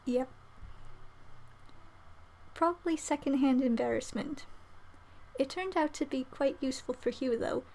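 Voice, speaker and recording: A woman's voice: high-pitched, measured pace, long pauses, a little mellow, rough recording. A woman reading a visual novel aloud on a live stream, dropping in chatty asides.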